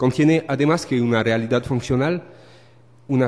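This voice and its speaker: A man with a French accent talks at a moderate pace. His pitch is medium and his intonation fairly even. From France. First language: French (speaking Spanish). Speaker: academic researcher. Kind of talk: conference talk read from a script. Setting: conference panel with audience. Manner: halting.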